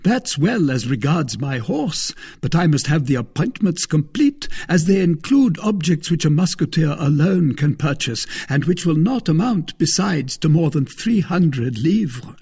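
A man voicing a haughty, vain male musketeer in an audiobook reading, speaking in a high, boastful, drawn-out way. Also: sing-song, darkish tone, slightly rough, full character voice.

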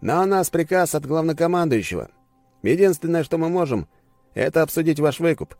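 A composed, formal enemy officer answers over the radio without any hurry, as a male narrator puts him on. The voice rides higher than the reader's usual low register, dry and close to the mic. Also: brisk, gravelly, no room sound, faint music behind. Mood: calm. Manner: calm, formal.

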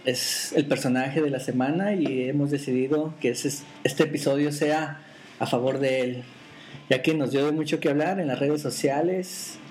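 Joking Mexican podcast host. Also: male voice, on the high side, a little hiss or hum, poor audio. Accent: Mexican Spanish. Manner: joking, relaxed, informal. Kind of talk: casual podcast chat.

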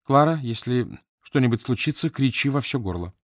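A male reader voicing an earnest young girl disguised as a boy, speaking quickly and anxiously in a raised voice. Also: mid-range voice, lively intonation, dry recording, clean studio sound, pitched above the performer's own voice, natural voice. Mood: brisk.

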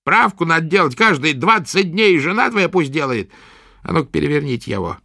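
A man voicing a spiteful old female forest witch who speaks scornfully in a raised, creaky, drawn-out voice. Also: on the high side, big pitch swings, bright, forceful tone, no room sound, clean studio sound, voice pushed up, exaggerated voice. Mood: gruff.

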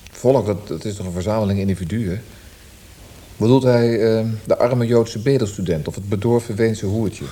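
A man acts out a tormented poet in a radio drama. His voice is low and notably mellow. He speaks in a reflective, literary manner, as if searching for the meaning of each word. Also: normal speed, lightly acted. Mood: fervent, searching. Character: brooding male Austrian poet tormented by language. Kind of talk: Dutch radio drama acting.

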